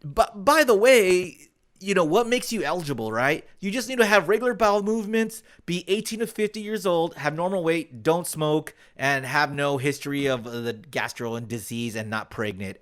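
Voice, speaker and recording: A young man co-hosting a casual comedy podcast, animated and profane, laughing as he reads odd news stories. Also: fairly high pitch. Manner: animated, profane, laughing, puts on a mock British voice. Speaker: podcast co-host.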